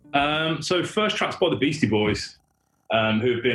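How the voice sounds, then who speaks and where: A man with an English accent. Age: 40s. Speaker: guest making a music mixtape. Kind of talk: casual chat.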